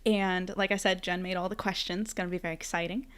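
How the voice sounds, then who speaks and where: A woman's voice: fairly low pitch, flat delivery, quick pace, fairly bright tone, clear, resonant tone. A woman hosting a podcast in an upbeat, casual style over an online video call. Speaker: podcast host.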